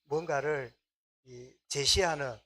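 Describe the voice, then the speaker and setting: Casting: middle-aged male pastor, husky voice, easy conversational sermon. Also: fairly high pitch, slow, sharp tone.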